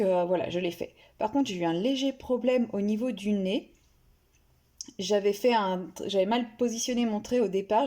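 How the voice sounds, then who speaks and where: A woman's voice: mid-range voice, mellow. A woman vlogger casually showing her finished coloring pages, hesitant, with many fillers and restarts. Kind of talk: casual show-and-tell.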